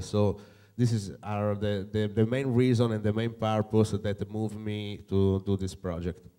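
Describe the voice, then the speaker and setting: In an Italian accent, a man speaks at a moderate pace with a fairly low pitch, a dark, mellow tone and fairly even intonation on a very clean recording with a silent background. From Italy. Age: young. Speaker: documentary filmmaker. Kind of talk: guest lecture. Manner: halting, many fillers.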